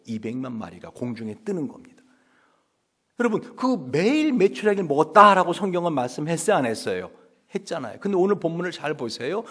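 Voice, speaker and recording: A man preaches in a church sanctuary at a dawn service. His fairly high voice leaps up and down in pitch. He keeps firing questions at the congregation and acts out little scenes. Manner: animated, acts out quails and children in high voices; asks the congregation questions constantly. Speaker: pastor. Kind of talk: dawn revival sermon.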